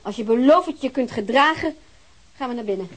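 A woman's voice: on the high side, animated, brisk. An actress playing a haughty, aristocratic woman who speaks coldly and scornfully. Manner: cold, scornful, disdainful. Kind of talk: radio play acting.

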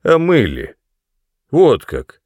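A man voicing a loud gruff bully of a man. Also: medium pitch, wildly swooping pitch, extremely slow, dry recording, clean studio sound, voice pushed up, heavily acted. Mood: gruff, mocking. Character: crude bullying middle-aged man.

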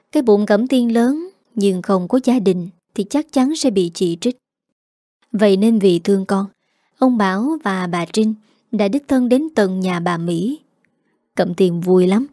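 Woman narrator, story reading, steady, warm tone, dry sound. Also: mid-range voice, dry recording.

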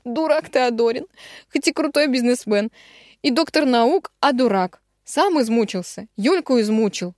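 A woman's voice: a little high, animated, normal speed, a little mellow, no room sound, clean studio sound, voice pushed up, natural voice. A woman reading an audiobook, voicing a middle-aged woman who is tearful and indignant and near sobbing.

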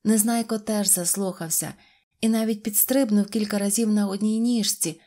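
A woman narrating a children's storybook in a clear, even reading voice. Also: medium pitch, moderate pace. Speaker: audiobook narrator.

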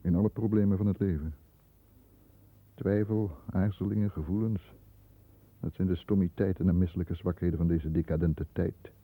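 On a muffled old recording from a 1960s radio drama, an actor plays a stern, disdainful middle-aged lawyer narrating his own thoughts. His low, steady voice delivers measured, introspective first-person narration in a reflective, severe mood.

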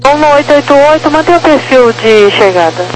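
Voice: high voice, animated, fairly quick. Crackly radio air traffic controller, Brazilian, ambiguous voice. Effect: radio transmission. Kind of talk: crackly radio transmissions, terse clearance phraseology. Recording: crackly, humming aviation radio.

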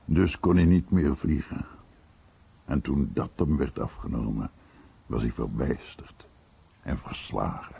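A man giving a measured Dutch documentary voice-over of someone's recollections. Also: a bass voice, lively intonation, gravelly, warm tone, slightly rough, full character voice. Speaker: voice-over translator. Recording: dull, muffled radio recording.

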